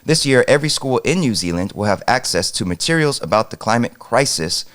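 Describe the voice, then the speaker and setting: A man's voice: mid-range voice, big pitch swings, brisk, fairly bright tone. A man co-hosting an education podcast, steering the segments and reading out news stories in an upbeat way. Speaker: podcast co-host. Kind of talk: reading news headlines and casual chat.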